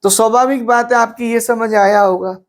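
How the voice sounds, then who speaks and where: Speaking at a moderate pace in a steady, medium-pitched voice, an English literature teacher delivers an exam-prep lecture. The teacher patiently counts out syllables, asks rhetorical questions, and blends English terms into the explanation.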